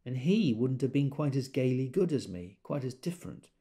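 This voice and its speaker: A man's voice: mid-range voice, big pitch swings, normal speed, mellow, natural voice. An actor playing a wry gay man who tells of a party in an observant, dramatised literary monologue. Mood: reflective.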